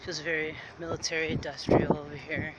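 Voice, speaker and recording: A man's voice: a little high, little pitch movement, brisk. A man chatting casually while walking outdoors, rambling with restarts and a bit out of breath. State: slightly out of breath. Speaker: vlogger. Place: outdoors on streets near an air base. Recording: noisy outdoor street with traffic. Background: traffic and urban ambience.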